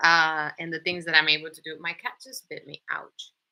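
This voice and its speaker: A woman with a Spanish accent speaks at a fairly low pitch in a bright, sharp tone. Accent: Spanish accent, noticeable. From Venezuela. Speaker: online talk show host. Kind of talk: solo livestream talk. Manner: casual, conversational.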